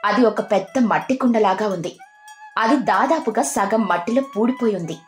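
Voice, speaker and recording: A woman's voice: mid-range voice, brisk. A woman reading scripted story narration as the narrator. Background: background music.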